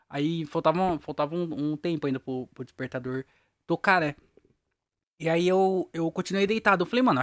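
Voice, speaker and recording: A young man with a high voice tells a long, rambling, slangy story on his own podcast, laughing at himself as he goes. The recording is dry and studio-clean.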